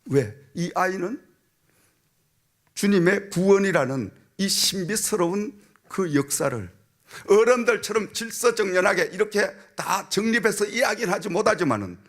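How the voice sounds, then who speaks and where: Male senior pastor in church, animated storytelling sermon, voice a bit higher than most men. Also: normal speed. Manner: storytelling preacher, acts out a child's and a minister's voices, frequent "응?" and "아멘". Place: church sanctuary.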